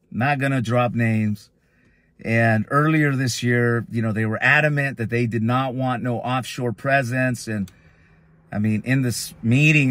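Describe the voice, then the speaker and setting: Speaking straight to camera, a Northern California man with a Chicano accent talks candidly about his lead-generation business, blunt and casual with the occasional swear word. His mid-range voice is pushed and bright, with no room sound.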